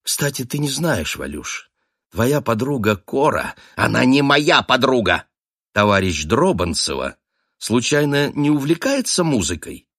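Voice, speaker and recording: A man's voice: mid-range voice, very animated, unhurried, a bit bright, slightly rough, dry recording, clean studio sound, pitched above the performer's own voice, exaggerated voice. A man voicing a tired, sarcastic husband who answers his wife coldly and mockingly in an audiobook. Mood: sardonic, weary. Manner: sardonic, clipped, through gritted teeth. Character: weary, sarcastic adult husband, cutting and cold.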